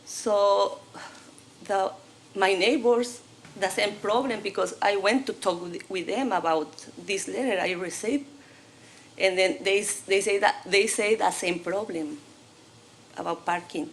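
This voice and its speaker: A woman giving public comment in halting English, often searching for words. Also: mid-range voice, slight background noise, poor audio. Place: city council chamber.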